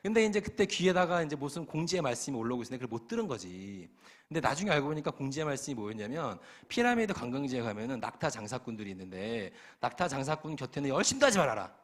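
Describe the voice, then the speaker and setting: A man's voice: mid-range voice, big pitch swings, fast talker. A young male pastor telling a funny story in a youth sermon, acting out the voices of the people in it. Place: church hall.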